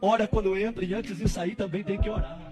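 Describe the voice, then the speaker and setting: A male pastor, preaching a testimony sermon with fervor that rises to shouts. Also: high voice, fairly even intonation, a little fast. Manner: fervent preaching, rising to shouts. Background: music.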